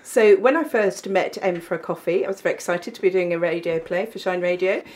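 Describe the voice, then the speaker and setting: A woman's voice: fairly low pitch, fairly quick, a little mellow. A chatty woman radio presenter and play director, interviewing and laughing easily. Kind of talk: casual interviewing.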